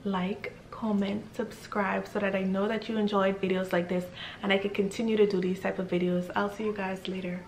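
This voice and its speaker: A young woman from the Bahamas, chatting with strangers in a casual, bubbly, flattering way. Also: mid-range voice, brisk. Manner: bubbly, flattering, laughs often. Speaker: vlogger. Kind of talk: casual video chat with strangers. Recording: echoey room, faint noise.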